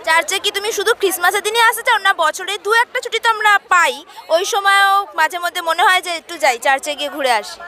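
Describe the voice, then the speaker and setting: A young woman with a Bengali accent, hosting a lively vox pop street interview with a handheld mic outdoors. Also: very high-pitched, quick pace. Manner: lively, chatty presenter. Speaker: street reporter and host. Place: crowded churchyard lawn outdoors. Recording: outdoor crowd in the background.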